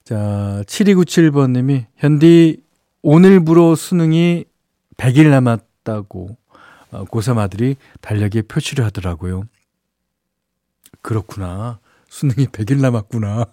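A man's voice: mid-range voice, animated, unhurried, warm tone, no room sound. A middle-aged man hosting a radio show, chatting casually and chuckling as he reads listener messages. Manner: chatty, chuckles often, many fillers. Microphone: studio microphone. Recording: dry studio sound.

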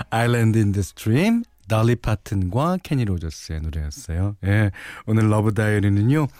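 A man hosting a radio show, relaxed and chatty, often chuckling as he reads listener messages and narrates a story. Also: fairly low pitch, slow, no room sound, clean studio sound. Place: radio studio. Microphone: studio microphone.

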